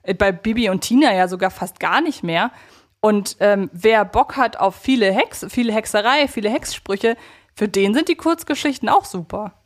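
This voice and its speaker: A woman's voice: mid-range voice, lively intonation, normal speed. A woman co-hosting a casual fan podcast, chatty and thinking aloud as she rephrases her points. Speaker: podcast co-host.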